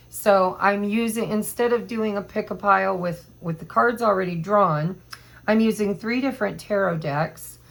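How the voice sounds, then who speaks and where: Hoarse, slow-talking woman tarot reader. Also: mid-range voice. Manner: chatty and meandering, thinking aloud. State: hoarse from allergies. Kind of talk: casual tarot reading to camera.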